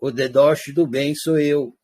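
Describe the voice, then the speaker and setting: A man voicing a male finger puppet, lowering his voice into a disguised deep tone as the puppet bickers. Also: fairly even intonation, measured pace, mellow. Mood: bickering. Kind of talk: playful demonstration in a talk.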